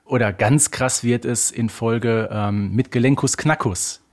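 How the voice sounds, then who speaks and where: A man's voice: mid-range voice, a little slow. A man in his thirties from Germany, co-hosting a conversational podcast discussion. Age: 30s. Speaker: podcast co-host.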